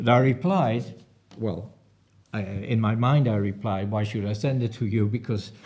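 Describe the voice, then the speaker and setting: Somewhat breathy male voice with a Dutch accent, medium pitch, moderate pace and audible room echo. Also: ordinary pitch variation. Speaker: professor and author. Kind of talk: press conference panel talk. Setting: press conference with cameras.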